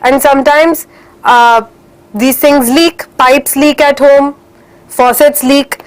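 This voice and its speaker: A young woman's high, steady voice moves slowly as she teaches kids English online. Encouraging and speaking Indian English with occasional Hindi phrases, she sounds a bit congested from a cold.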